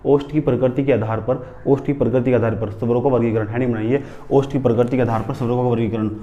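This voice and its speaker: A man's voice: medium pitch, fairly even intonation, fast, warm tone, lo-fi sound. A man teaching a Hindi grammar class, repeating key terms and asking and answering his own questions as he dictates headings. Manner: tells students to write headings.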